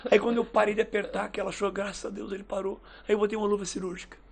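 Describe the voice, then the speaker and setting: A man's voice: high voice, very fast, gravelly. A man, hosting a casual podcast chat and telling stories, acting out the quoted dialogue as he goes. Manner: lively storyteller who acts out quoted dialogue.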